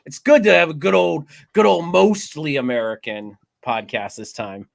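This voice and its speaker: A man's voice: on the high side, normal speed, gravelly. A man co-hosting a casual podcast, chatting loosely with many restarts. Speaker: podcast co-host. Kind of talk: casual chat.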